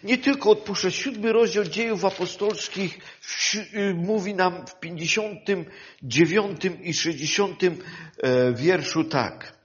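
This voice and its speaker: A man preaching a sermon, swinging between loud fervent passages and hushed quiet ones, often calling his listeners dear ones. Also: high-pitched, measured pace. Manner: addresses listeners as "kochani". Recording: dull lo-fi sound.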